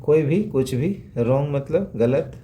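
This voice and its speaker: A man's voice: on the high side, animated, measured pace, dark tone, highs cut off, a little hiss or hum. A man teaching English reading, patiently repeating sounds and checking in with rhetorical questions. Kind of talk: phonics lesson explained in Hindi.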